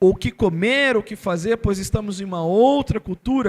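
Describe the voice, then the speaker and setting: Pitched high for a man, this speaker has a Brazilian accent and lively intonation. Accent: non-Rio Brazilian accent, noticeable. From Brazil, outside Rio de Janeiro. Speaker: pastor. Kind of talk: sermon. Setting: church.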